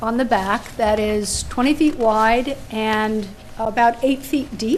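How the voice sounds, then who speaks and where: The speech moves at a fairly slow pace with ordinary pitch variation. Noticeable background noise runs underneath. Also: woman. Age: 70s. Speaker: homeowner applying for a zoning variance. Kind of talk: presentation at a public zoning board hearing. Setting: town zoning board meeting. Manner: conversational with frequent fillers and restarts.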